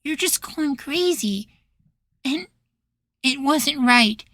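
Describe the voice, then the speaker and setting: A man acting a sweet, anxious, devoted young boywife in a soft, pleading ASMR roleplay. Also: very high voice, expressive, takes it slowly, no echo, studio quality, heavily acted. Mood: gentle, firm.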